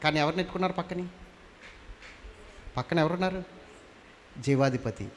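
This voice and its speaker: A man's voice: a little high, normal speed, a little hiss or hum. A male pastor preaching a sermon, constantly questioning the congregation and climbing to fervent emphasis in a church hall.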